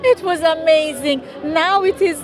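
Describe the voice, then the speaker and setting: A woman doctor with a Persian accent speaking slowly and joyfully. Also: very high voice, soft background music, a faint crowd.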